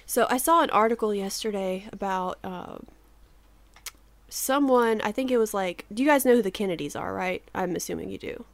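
A woman's voice: medium pitch, moderate pace, vocal fry, dry recording. A woman in her thirties chats with her co-hosts, her voice still a little sleepy. She laughs often and swears casually as she tells her stories. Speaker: podcast co-host. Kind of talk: casual chat.

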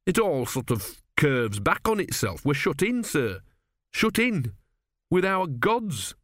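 A man's voice: a little high, big pitch swings, slow, fairly bright tone, no room sound, studio quality, pitched above the performer's own voice, exaggerated voice. A man voicing an anxious, earnest royal servant who keeps addressing his master as sir. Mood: worried. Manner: deferential, keeps saying sir.

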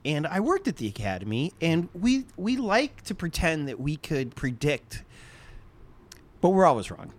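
An interview host chats in a loose, talkative way, the pitch leaping up and down on words they want to stress. The voice sits mid-range, and the delivery runs quick and unpolished, with restarts along the way. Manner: chatty, lively intonation with big pitch swings. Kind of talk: casual interview chat.

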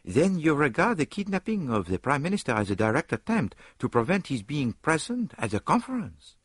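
A man's voice: a little high, sing-song, brisk, breathy edge, dry recording, pitched above the performer's own voice. A man reading aloud, voicing a fussy, vain male detective with a grand, precise manner.

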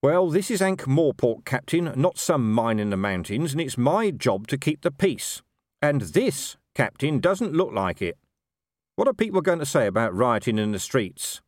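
A man voicing a gruff, weary, sardonic city watch commander in a story, demanding and sceptical. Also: mid-range voice, very animated, moderate pace, dry recording, clean studio sound, voice pushed up, natural voice. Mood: exasperated.

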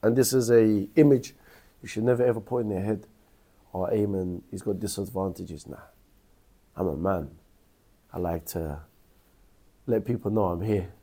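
A man's voice: lowish voice, normal speed, pauses often, mellow, slightly rough. A man in his thirties from Iraq, earnestly telling his life story as an interview guest.

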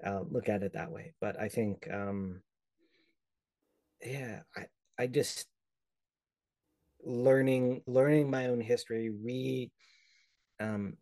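A young man from El Salvador, a podcast guest speaking thoughtfully in an interview, often pausing and restarting as he searches for words. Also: mid-range voice, fairly even intonation, dark tone, dry recording. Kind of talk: reflective conversational interview.

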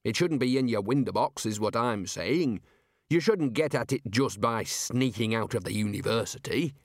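Man voicing a haughty scheming older male dean, measured, dry close recording. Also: medium pitch, animated, no echo. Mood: disdainful. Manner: disdainful, measured.

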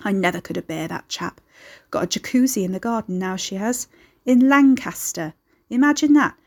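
A woman's voice: mid-range voice, lively intonation, brisk, a little mellow. A woman voicing an elderly, gossipy grandmother in an audiobook, maternal and pushy, with folksy, rambling talk. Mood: sour, grumbling. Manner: folksy dialect, rambling, nosy.

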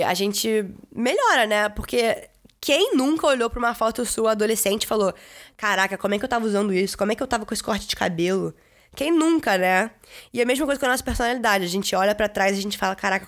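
Chatty young Brazilian woman vlogging. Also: medium pitch. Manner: chatty, swears casually, many fillers. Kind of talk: casual storytelling.

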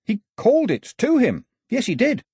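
A man voicing an excitable, nervous young boy who tells a tale in a high, dramatic voice. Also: a little fast, slightly rough, no room sound, studio quality, heavily acted. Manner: breathless, dramatic, high-pitched.

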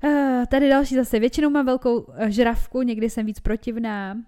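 A woman's voice: fairly high pitch, flat delivery, mellow, clean tone. A young woman co-hosting a casual podcast chat, frank and swearing freely as she reads listener messages aloud. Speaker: podcast co-host.

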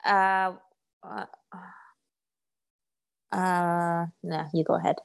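A woman's voice: lowish voice, level tone, very slow, gravelly, clean tone. A woman co-hosting a podcast, easygoing and agreeable, with hesitant fillers. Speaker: podcast co-host. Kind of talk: casual chat.

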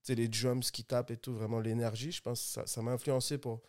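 A man in his twenties from Guadeloupe with a Guadeloupean accent, a music producer talking as a guest in a relaxed, easygoing way. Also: medium pitch, fast talker. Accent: Guadeloupean French. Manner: relaxed, laid-back, mixes English slang. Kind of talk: casual podcast chat.

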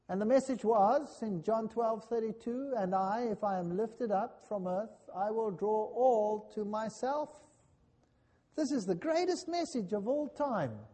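A man preaching a sermon lecture, emphatic and deliberate, with scripture readings and rhetorical questions. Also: sits high, warm tone. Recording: long reverb of a large hall.

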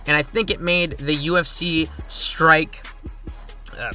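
A man hosting his own sports podcast, chatting casually with joking asides and quick rundowns. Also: a little high, sharp tone. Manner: chatty, jokey asides, rapid topic rundowns. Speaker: podcast host.

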